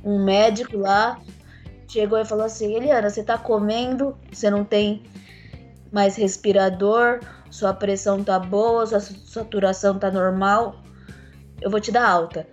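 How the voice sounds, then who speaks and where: A woman whose voice is still a little rough, telling her own story in an earnest, halting way with many restarts. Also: medium pitch, fairly even intonation, highs cut off, faint music behind. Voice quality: voice still rough since a tracheostomy. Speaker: interviewee. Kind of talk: personal account in a conversation.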